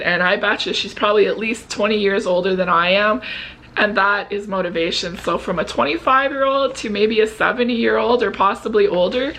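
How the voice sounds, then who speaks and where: A woman's voice: mid-range voice, creaky, fairly bright tone, poor audio. A woman of about fifty talking casually and earnestly to her viewers in a confessional way. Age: 49, turning fifty. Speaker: vlog host. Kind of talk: casual personal chat to viewers.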